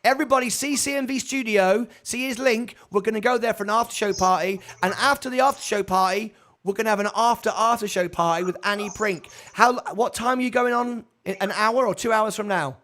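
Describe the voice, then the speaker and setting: A chatty male host running a live call-in show, talking in a high, light voice. He rattles on, repeats phrases and trips over his words as he keeps things moving. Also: a little fast, hardly any pauses, fairly bright tone. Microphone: video call.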